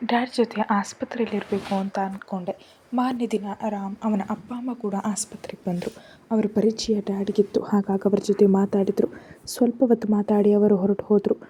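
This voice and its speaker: A woman narrating a first-person family drama story in a soft, hushed storytelling voice. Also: mid-range voice, little pitch movement, fairly quick, slight background noise.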